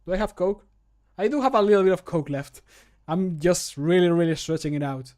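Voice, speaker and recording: A man's voice: high-pitched, a little fast, darkish tone. A man in his thirties chatting casually and jokingly on a livestream, swearing freely, close to the mic in a room at home. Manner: joking, sweary, self-deprecating. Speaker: content creator and voice actor. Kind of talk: casual livestream chat while recording. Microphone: close studio microphone.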